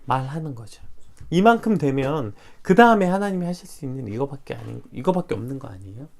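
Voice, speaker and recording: Man, pastor, devotional sermon, lively swooping pitch, animated, rhetorical questions. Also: fast talker, vocal fry. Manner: animated, acts out quoted dialogue, rhetorical questions.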